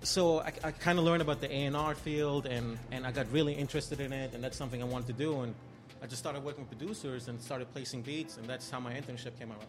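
A man with an Austrian accent talks quickly and easily about his own path, with a wry, self-deprecating touch. Music plays clearly underneath his voice the whole time. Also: mid-range voice, steady tone. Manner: fast, easygoing, self-deprecating. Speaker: guest, music A&R. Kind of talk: casual interview storytelling. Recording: music playing behind.

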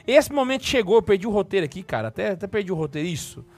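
A man hosting a podcast in a casual, excitable and jokey way. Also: high-pitched, rapid-fire, dry recording. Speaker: podcast host.

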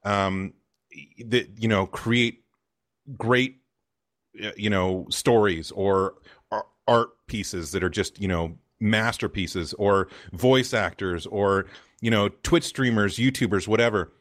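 Male co-host, very deep voice, unscripted and rambling, casual gamer talk. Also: takes it slowly, fairly bright tone. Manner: rambling, lots of fillers. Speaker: co-host of a gaming community show. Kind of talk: casual chat.

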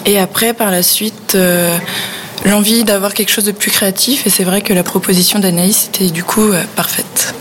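A woman's voice: medium pitch, fairly even intonation, moderate pace, a little hiss or hum. A young woman answering interview questions, rambling with many fillers. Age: young adult. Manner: rambling, filler-heavy, laughs. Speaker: webzine co-founder, guest.

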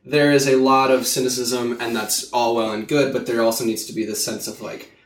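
A man's voice: mid-range voice, level tone, fairly quick. Male podcast co-host, rambling and filler-heavy; roomy, distant mic. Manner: rambling, with many "like" fillers and restarts. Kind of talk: casual podcast chat. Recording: roomy, set back from the mic.

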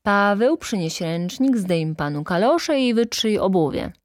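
A woman's voice: mid-range voice, expressive, unhurried, no echo, clean studio sound, pitched above the performer's own voice, natural voice. A woman voicing a foppish young male shop clerk in an audiobook, glib and theatrical, with effusive, exaggerated politeness. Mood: obsequious, brisk.

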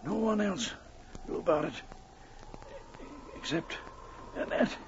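An actor playing a bitter old prospector, mortally wounded, stammering and gasping weakly in 1940s radio style. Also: male voice, high-pitched, lively intonation, slow. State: weak, gasping, dying. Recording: dull, noisy old radio recording.

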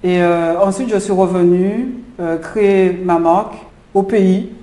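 A woman's voice: on the low side, fairly even intonation, a little slow, dark tone. A woman from Martinique, a jewelry designer, answering interview questions in a hesitant way with many filler sounds. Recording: roomy echo.

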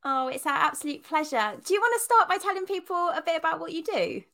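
High bright enthusiastic woman host. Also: expressive, fast. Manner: enthusiastic, welcoming. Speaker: podcast co-host. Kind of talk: podcast hosting.

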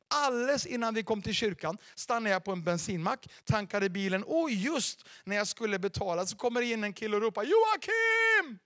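A middle-aged man preaching a sermon as pastor, lively and dramatic, swinging between loud and soft. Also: sits high, dry recording, studio quality. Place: church.

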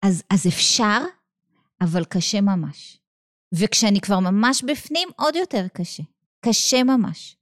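A woman with an Israeli accent teaching a religious text to women. She talks in an animated way, asks rhetorical questions and checks in often with "okay?". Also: a little high, dry recording, studio quality. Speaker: teacher of Jewish texts.

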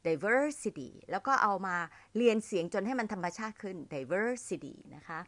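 A middle-aged woman with a Thai accent gives a warm, chatty lesson on hosting events, speaking to her listeners like an older sister. Her voice sits at an ordinary pitch. The recording is dry and close, with no room sound. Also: no room sound. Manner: friendly, addresses listeners as younger siblings, slows to model English phrases. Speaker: MC trainer teaching younger listeners. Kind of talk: casual spoken lesson.

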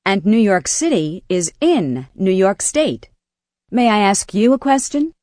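A woman with an American accent hosting a radio English show, speaking slowly and clearly. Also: medium pitch, big pitch swings, a little mellow, no echo, studio quality. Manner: slow, clear enunciation. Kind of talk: scripted dialogue for English learners.

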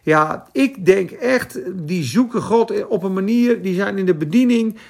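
A man preaching a sermon and answering viewers' questions, fervent at times and soft and musing at others. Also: high-pitched, measured pace, creaky. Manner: fervent, shifts between loud exclamation and soft musing. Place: church or home stream for Facebook.

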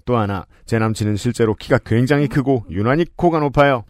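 A man's voice: medium pitch, brisk, no echo. A man hosting a podcast, reading listener letters aloud with playful, teasing asides, close on a studio mic. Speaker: podcast host.

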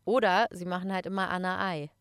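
A woman's voice: on the low side, steady tone, brisk, smooth, no room sound, studio quality. A woman teacher explaining language patiently in a casual chat. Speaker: German teacher.

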